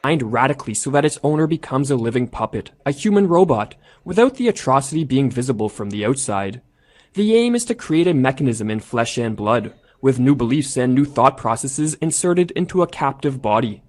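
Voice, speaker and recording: A man reading a scripted documentary narration in a measured, formal way. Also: medium pitch, very animated, darkish tone. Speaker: narrator of an essay video.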